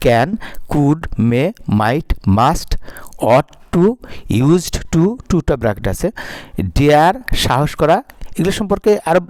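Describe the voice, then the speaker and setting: A man's voice: fairly high pitch, expressive, slow, a little mellow, dry recording. A man with a Bangladeshi accent teaching English grammar to students, repeating word lists aloud one by one.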